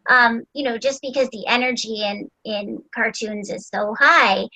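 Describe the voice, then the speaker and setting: A woman's voice: fairly high pitch, normal speed, sharp tone, poor audio. A woman host and voice actor chatting casually, with a chatty way of talking full of "like" and "you know.". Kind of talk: casual interview chat.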